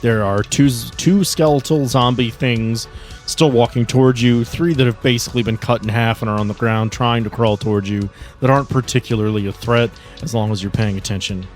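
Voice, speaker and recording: Man, game master, casual tabletop narration, mid-pitched voice, music underneath. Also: steady tone, brisk. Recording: music playing behind the voice.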